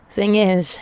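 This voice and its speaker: A woman's voice: mid-range voice, darkish tone, smooth. A woman playing a sociable, wry character in a sci-fi audio drama, musing aloud in a monologue.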